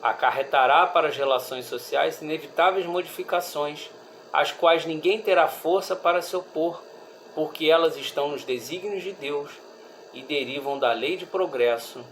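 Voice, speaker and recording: A man with a Brazilian accent giving a religious study talk in a reflective, halting way, often checking in with listeners. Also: on the high side, a bit bright, slight background noise. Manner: reflective, halting, with frequent rhetorical check-ins. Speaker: speaker at a Spiritist study group.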